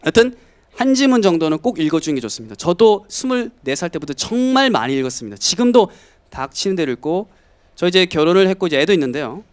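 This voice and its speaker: Animated high-voiced man lecturing. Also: fast talker. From South Korea. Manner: animated, acts out students and family in quoted voices. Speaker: English lecturer. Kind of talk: lively lecture to students.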